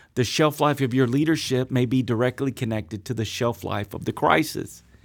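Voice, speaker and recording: On a very clean recording with a silent background, a man with an ordinary speaking voice talks at a moderate pace, with a medium pitch and ordinary pitch variation. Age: 50s. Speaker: podcast host and church leader. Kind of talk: solo podcast teaching monologue. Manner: warm, conversational with occasional laughs.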